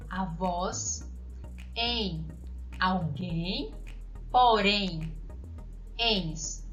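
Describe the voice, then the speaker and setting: A woman's voice: medium pitch, fairly bright tone. A woman teaching a grammar lesson to children, reading out example words and asking questions. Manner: slow, deliberate, spells out examples and asks questions. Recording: dull lo-fi audio with faint music.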